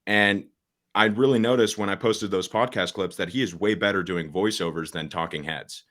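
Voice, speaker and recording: A young man with a very low, deep voice talks as a guest in a casual podcast interview. He is a social media coach and gets straight to the point, with plenty of fillers and restarts along the way. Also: normal speed, a bit bright. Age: late teens.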